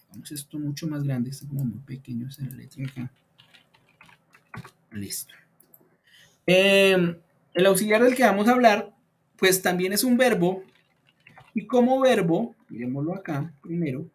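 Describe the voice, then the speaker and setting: Man, teacher, online beginner lesson, thinks aloud, frequent fillers, slows for example sentences. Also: sits high, slightly rough. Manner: thinks aloud while editing slides, many fillers like "pues" and "entonces". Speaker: English teacher.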